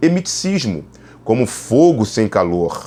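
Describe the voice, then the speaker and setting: A man at a fairly slow pace, with very wide swings in pitch. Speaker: preacher. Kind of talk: sermon.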